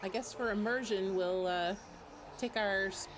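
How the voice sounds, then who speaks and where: Slow-paced woman streaming a game. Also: medium pitch, background noise. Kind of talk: casual live gameplay commentary. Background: video game music.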